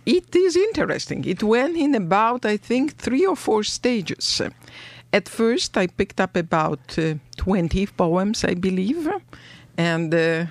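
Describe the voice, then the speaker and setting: Polish-accented woman translator, slow and thoughtful, lively pitch, gravelly edge. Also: no room sound. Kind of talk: radio interview.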